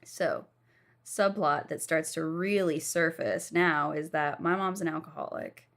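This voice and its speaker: A woman's voice: sits low, steady tone, measured pace, vocal fry, a bit bright. A young woman from the southern United States, telling her life story frankly while lying down as a podcast guest.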